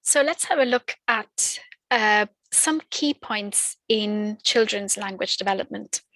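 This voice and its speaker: A woman's voice: mid-range voice, gravelly, fairly bright tone, no room sound. A woman whose first language is not English, explaining terms in a training talk, with fillers and restarts. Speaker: early years language trainer.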